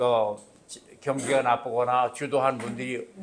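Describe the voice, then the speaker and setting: Noticeable background noise runs through the clip. The pace is moderate. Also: man. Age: 80s+. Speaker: scholarship foundation chairman. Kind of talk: press conference speech. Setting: press conference. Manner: hesitant, many fillers.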